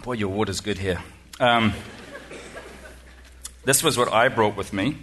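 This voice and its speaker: Speaking with a fairly low, slightly bright voice at a measured pace, this guest speaker from New Zealand gives a funny, self-mocking keynote to a lecture-hall audience, stumbling through ums and restarts. Slight background noise is audible.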